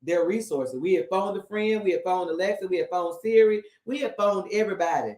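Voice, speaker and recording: A woman co-host telling a story in a casual, animated way, laughing often and restarting her sentences. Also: lowish voice, a little fast, roomy sound. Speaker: podcast co-host.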